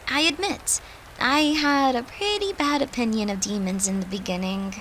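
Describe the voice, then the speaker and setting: A woman's voice: a little high, moderate pace, slight background noise, lightly acted, rough recording. A woman playing a tender human girlfriend, an occult summoner confiding in her demon lover in an intimate, earnest audio roleplay. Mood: wry, fond. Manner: soft, earnest, confiding, with sighs and breathy laughs.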